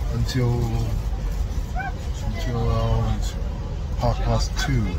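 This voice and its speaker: Crowd noise fills the background. The speech moves at a very slow pace. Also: man. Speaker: travel vlogger. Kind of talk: casual vlog chat. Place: train. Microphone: phone near.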